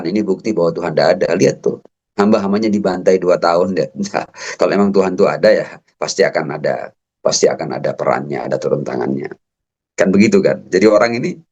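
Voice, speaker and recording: Man giving a lively religious lecture. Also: on the low side. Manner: quotes Arabic verses slowly, then explains them. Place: lecture hall.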